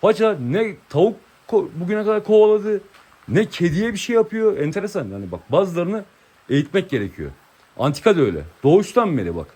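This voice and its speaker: A man's voice: high voice, sing-song, a little fast, a little mellow, slightly rough. A man chatting to viewers in a vlog, coaxing his dog affectionately and explaining outdoors. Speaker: vlogger with his dogs. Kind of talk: casual vlog chat to viewers.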